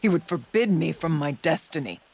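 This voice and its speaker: An actress playing a proud, solemn tribal shaman woman in a video game, speaking in a measured, formal and earnest way. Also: low voice, expressive, darkish tone. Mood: hurt, resolute. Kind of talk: dramatic video game acting.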